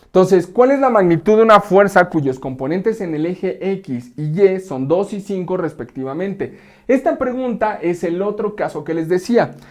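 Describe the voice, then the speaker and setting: In a Mexican accent, a man speaks loudly at a high pitch with lively intonation, keeping a moderate pace and hardly any pauses. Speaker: teacher. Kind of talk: online lecture. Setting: live online class.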